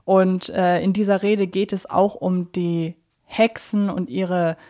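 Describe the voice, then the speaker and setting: A woman's voice: fairly low pitch, level tone, slow pace, darkish tone. Hesitant woman co-hosting a podcast. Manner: hesitant, searching for words, self-correcting. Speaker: podcast co-host. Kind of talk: casual analytical podcast chat.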